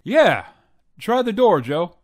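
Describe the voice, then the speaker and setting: Lady doing gruff folksy sheriff for a radio play, bossy, voice goes up and down a lot. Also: mid-range voice, very animated, takes it slowly, very noisy. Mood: brusque, commanding. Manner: folksy, brusque, commanding. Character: gruff, take-charge county sheriff. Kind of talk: old-time radio drama acting.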